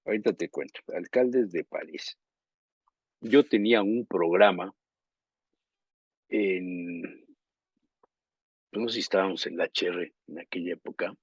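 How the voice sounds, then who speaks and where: Husky-voiced Mexican male co-host with a lowish voice, rambling story-teller, dry muffled sound. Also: unhurried, pauses often, no room sound. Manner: rambling anecdotes, searching for words, laughing. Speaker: journalist co-host. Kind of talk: casual talk show chat.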